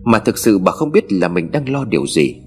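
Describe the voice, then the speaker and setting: A man narrating a ghost story in a measured, dramatic way. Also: lowish voice, sing-song, a little mellow, big-room sound. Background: music.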